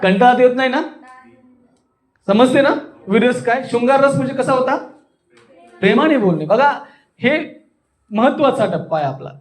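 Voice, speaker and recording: A man's voice: very high-pitched, animated, moderate pace, pauses often. A man with a Maharashtrian accent teaching voice modulation in an interactive lesson, expressively stressing and drawing out words and often putting questions to learners. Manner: questioning, checks that learners follow. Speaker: voice modulation and public speaking coach, anchor. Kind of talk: interactive lesson with spoken demonstrations.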